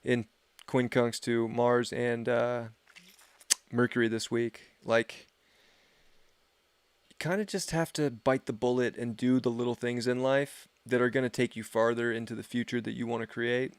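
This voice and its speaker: A male astrology reader on a livestream speaks at a moderate pace in a mid-range, clear, resonant voice with flat delivery. His forecast wanders casually and relies on filler, all while his voice wears thin. There's no echo.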